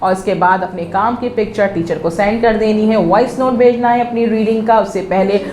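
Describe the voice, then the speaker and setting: A woman's voice: mid-range voice, fairly even intonation, a little fast, a little mellow. A woman teacher with a Pakistani Urdu accent leads a reading lesson for young children, saying each phrase three times before reading it whole. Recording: echoey room with faint ambient noise.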